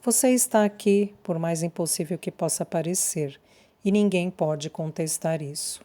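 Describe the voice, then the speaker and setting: A woman reading a steady, protective man who calmly reassures a friend. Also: lowish voice, moderate pace, natural voice. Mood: reassuring. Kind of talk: audiobook character reading.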